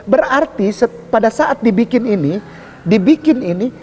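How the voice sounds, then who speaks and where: A man giving a lively public lecture in a religious debate, emphatic, asking the audience rhetorical questions. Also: very high-pitched, moderate pace, husky. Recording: echoey hall reverb.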